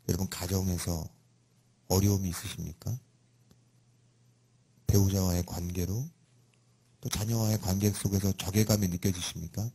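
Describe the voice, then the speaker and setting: Husky-voiced man preaching a sermon. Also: low-pitched. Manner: animated storytelling with sudden loud emphatic rises. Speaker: pastor. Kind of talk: sermon with personal story.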